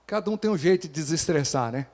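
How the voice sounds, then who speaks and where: A man preaching to his congregation in an animated way, his voice sitting a bit high. He acts out quoted voices and keeps asking the people questions. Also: fast. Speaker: pastor. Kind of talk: sermon.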